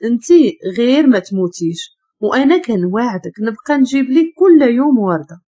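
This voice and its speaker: A woman with a Moroccan accent voicing a caring young woman who speaks gently and reassuringly. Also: on the high side, big pitch swings, fairly quick, breathy edge, lo-fi sound. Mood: tender. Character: caring young woman comforting her sister.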